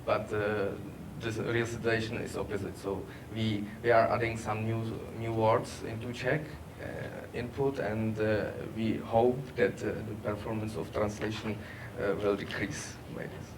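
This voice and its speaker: A man giving a technical workshop presentation, halting with many fillers. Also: lowish voice, little pitch movement. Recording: distant mic, background noise.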